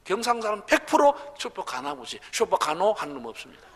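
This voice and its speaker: Gyeongsang-accented male pastor, fairly high and ringing, humorous folksy sermon, reverberant church hall. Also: very animated, brisk, a bit bright. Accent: Gyeongsang Korean. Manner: humorous, chatty preaching with laughs to the crowd. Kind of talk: sermon at a revival meeting. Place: large church sanctuary.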